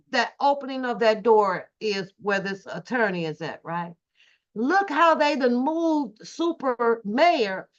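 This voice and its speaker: An American woman talks casually on her livestream in a somewhat high voice. She comments on clips with indignation and repeats her phrases to press the point. The sound is a little dull and lo-fi. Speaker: livestream host.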